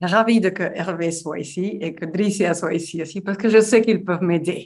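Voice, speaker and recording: A woman's medium-pitched voice with a Spanish accent, at a moderate pace with fairly even intonation, over a quiet background. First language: Spanish (speaking French). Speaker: life coach. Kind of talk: webinar talk. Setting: video webinar.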